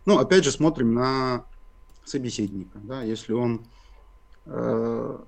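Man explaining slowly with many fillers. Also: mid-range voice, vocal fry. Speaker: guest expert. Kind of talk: explanatory interview talk.

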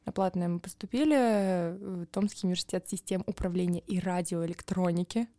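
A young woman from Siberia, co-hosting a podcast and telling stories about her student years in a casual, animated way. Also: on the low side, fairly quick, no room sound. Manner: animated storytelling with playful impressions and laughter. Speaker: podcast co-host. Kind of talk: casual chat.

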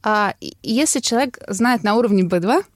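A woman's voice: a little high, expressive, brisk, no room sound, studio quality. A woman hosting a casual conversation, chatty and asking questions with fillers. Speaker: host. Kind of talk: casual chat.

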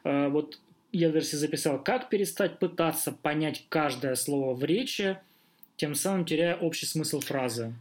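A man's voice: fairly high pitch, moderate pace. A married man hosting a casual podcast conversation, chatty and asking lots of questions. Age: adult, married. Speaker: podcast host.

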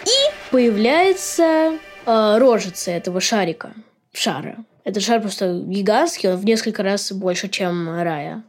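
A woman's voice: medium pitch, expressive, measured pace, faint music behind. A woman co-hosting a podcast, explaining and retelling things in a casual chat style. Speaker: podcast co-host.

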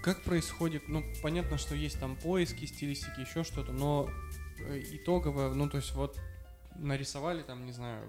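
A man's voice: fairly high pitch, steady tone, normal speed. A man hosting a casual interview, asking long, loosely phrased questions. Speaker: interviewer, show host. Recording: music clearly audible behind voice.

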